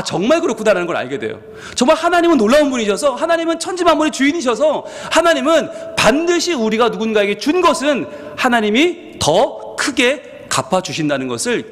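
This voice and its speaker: A male senior pastor preaching a sermon, with sudden swings in pitch and volume, acting out what his listeners might think in quoted asides. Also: in a large hall. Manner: acts out the congregation's thoughts in quoted asides. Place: church sanctuary.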